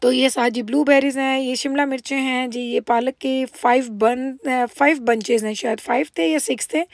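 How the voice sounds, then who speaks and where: High-voiced chatty woman vlogging. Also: fairly even intonation, moderate pace, creaky, dry recording, clean studio sound. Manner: chatty, mixes in English words. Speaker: vlogger, homemaker. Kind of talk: casual shopping vlog narration.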